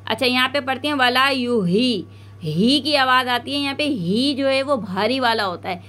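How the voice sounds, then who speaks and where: A woman with a South Asian Urdu accent and a sharp, high-sitting voice teaches Quran recitation. She proceeds step by step, slowly drawing out every word as an example and then explaining briskly.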